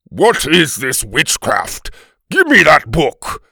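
A man voicing a huge, gruff, fierce Viking warrior, growling slowly with a heavy Scandinavian accent. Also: fairly low pitch, big pitch swings, no room sound, clean studio sound, heavily acted. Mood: angry. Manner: growling, slow, forceful.

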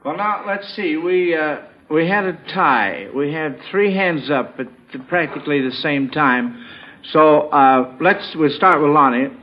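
A man hosting a 1940s radio quiz in a folksy, avuncular, halting way. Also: fairly high pitch, a little hiss or hum. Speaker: radio quiz show host. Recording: muffled 1940s radio broadcast.

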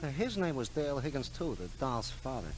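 Guy playing slangy american snitch in old radio detective show, talks fast, voice jumps around, bit of hiss. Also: medium pitch, very animated, natural voice, rough recording. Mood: brisk, gossipy. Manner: slangy, clipped talk. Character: slangy, money-hungry male street informer, eager and shifty. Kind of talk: 1940s radio detective drama acting. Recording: old radio recording, hissy.

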